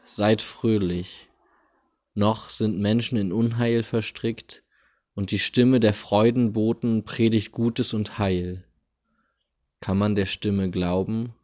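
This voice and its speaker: A man hosting a podcast, reading a devotional text aloud in a deliberate, solemn way near a busy street. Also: on the low side, a little mellow. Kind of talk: slow, measured reading of a spiritual text.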